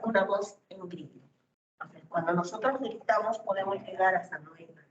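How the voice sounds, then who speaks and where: A woman giving a university lecture, explaining step by step and often checking in with rhetorical questions. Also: medium pitch. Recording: distant, roomy, dull lo-fi recording with faint noise.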